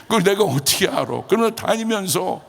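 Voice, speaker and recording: A man's voice: high-pitched, a little fast, gravelly. A male pastor telling a story in a sermon, acting out the voices of the people in it. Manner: animated, acts out quoted voices. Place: large church hall. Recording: echoey church hall with long reverb.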